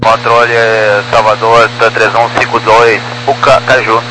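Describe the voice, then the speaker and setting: A man's voice: mid-range voice, flat delivery, unhurried. A man with a Brazilian accent making procedural readbacks and requests as a pilot over aviation radio. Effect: aviation radio transmission. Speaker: airline pilot. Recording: noisy cockpit radio with hum.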